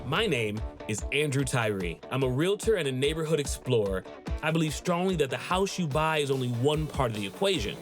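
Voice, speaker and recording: A man's voice: medium pitch, big pitch swings, fairly quick. A man hosting a home-buying show as a realtor, narrating with upbeat enthusiasm and chatting with buyers. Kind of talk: scripted narration and on-site chat. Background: background music.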